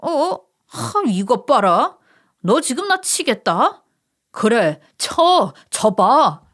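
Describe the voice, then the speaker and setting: A woman's voice: on the high side, big pitch swings, very slow, a bit bright, exaggerated voice. A woman voicing a condescending older brother who scolds and sneers in a radio story. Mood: contemptuous.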